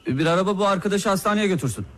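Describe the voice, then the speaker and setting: An actor playing a dutiful police officer in a television drama, reporting and instructing in a clipped, official way. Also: male voice, sits high, lively intonation, racing, a little hiss or hum. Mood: practical, instructing.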